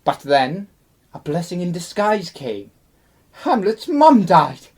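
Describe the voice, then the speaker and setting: Woman doing a vain young actor guy in a radio play, lowish for her, super grand and touchy. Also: very animated, slow pace, a little mellow, slightly rough, heavily acted. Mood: boastful. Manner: grandiose, melodramatic, indignant. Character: vain, pompous, easily offended twenty-seven-year-old male aspiring actor. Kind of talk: theatrical radio play acting.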